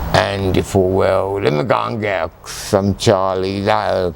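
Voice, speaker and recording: Noticeable background noise surrounds this man's voice. He speaks very slowly at a fairly low pitch. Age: 60s. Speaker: drug user. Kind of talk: interview answer.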